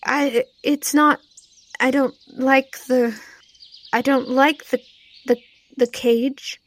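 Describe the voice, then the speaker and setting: A woman's voice: high-pitched, fairly even intonation, slow pace, voice pushed up. A woman voicing a timid, caged female talking bird in a tabletop game, speaking hesitantly and repeating words. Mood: timid, halting.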